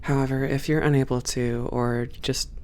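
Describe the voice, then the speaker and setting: A performer playing a friendly, composed female hangar supervisor in an ASMR roleplay, speaking in a measured, welcoming and professional way. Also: medium pitch, flat delivery, a little mellow, slight background noise, close to an everyday voice. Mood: reassuring, instructive. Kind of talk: ASMR roleplay, one-sided conversation.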